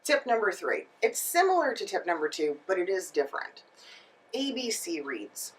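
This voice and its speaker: A woman's voice: mid-range voice, very animated, moderate pace, recorded from a distance, faint music behind, poor audio. A woman giving instructional tips to camera as a voice-over coach and host, emphatic and speaking directly to her viewers. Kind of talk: instructional video talk to camera.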